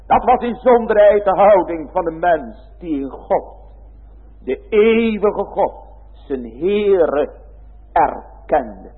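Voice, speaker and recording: A high, husky male preacher delivers a sermon in a solemn, old-fashioned cadence. The sound is thin and phone-like, and a long reverb trails each phrase from the church hall.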